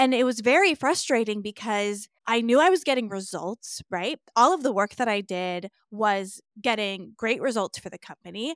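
A woman with a plain, everyday voice, fairly high in pitch, speaks at a moderate pace with big swings in loudness on a very clean recording with a silent background and a dry, close sound with no echo. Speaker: podcast co-host. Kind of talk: podcast interview conversation.

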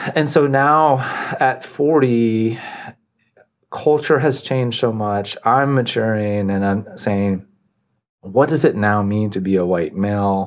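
A man with a medium pitch talks very slowly, with long, frequent pauses and ordinary pitch variation. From San Francisco Bay Area, US. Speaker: podcast host, financial therapist. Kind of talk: interview conversation.

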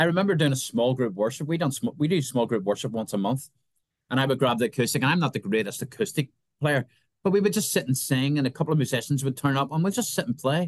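A man with a Northern Irish accent talks at a very fast pace, his pitch fairly high. His intonation is lively and his loudness very even. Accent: Northern Irish (Belfast). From Northern Ireland, Belfast. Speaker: missionary and worship musician. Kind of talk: casual interview chat.

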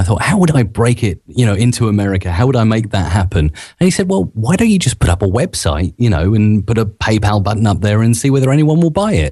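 A man's fairly low, somewhat breathy voice in a British accent, dark and mellow in tone, very fast with hardly any pauses, lively in intonation and very even in loudness. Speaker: voice-over artist and former radio presenter. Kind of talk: interview. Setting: remote call.

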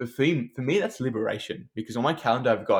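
Lively in intonation, a man speaks with an Australian accent in a very clean recording with a silent background. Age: 20s. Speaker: entrepreneur, company CEO. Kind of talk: interview.

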